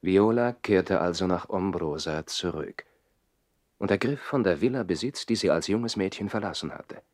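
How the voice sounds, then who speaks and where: An actor playing a passionate nobleman who lives in the trees and recalls his love in a measured, literary way, in a 1960s German radio play. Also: low voice, animated, a little mellow, dry recording, studio quality. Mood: hushed wonder.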